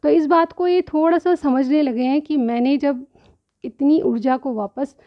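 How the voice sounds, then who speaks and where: High-voiced woman reading tarot to viewers, bit of a sore throat, kinda muffled lo-fi audio. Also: measured pace. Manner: chatty, keeps asking "theek hai?". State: slightly sore throat, clears it often. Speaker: tarot reader.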